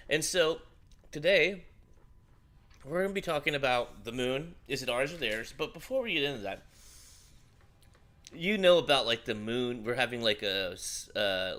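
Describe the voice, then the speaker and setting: Man, bright forceful voice, casual livestream host, chatty and informal. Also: medium pitch.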